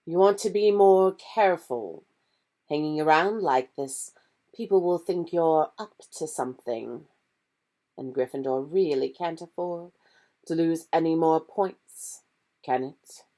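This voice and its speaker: A woman playing a silky, menacing wizard teacher. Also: sits low. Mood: silky menace. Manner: slow, smooth, quietly threatening.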